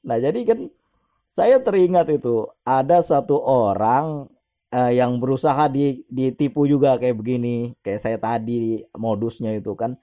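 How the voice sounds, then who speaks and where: A man's voice: mid-range voice, unhurried, warm tone. A middle-aged man, casually telling a personal story with frequent chuckles. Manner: chatty, laughs often while telling; opens with Islamic greetings and prayer.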